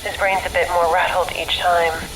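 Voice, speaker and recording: A woman's voice: lowish voice, little pitch movement, normal speed, close to an everyday voice. An actress playing a weary, analytical woman trapped on a train, recording her journal in an audio drama. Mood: weary, uneasy. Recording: noisy, echoey train car.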